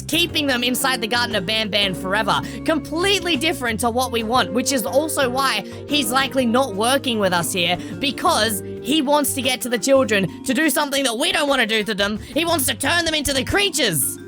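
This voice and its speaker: A woman hosting a gaming video with casual, explanatory commentary in an emphatic conversational way. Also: high-pitched. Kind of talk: casual game lore commentary.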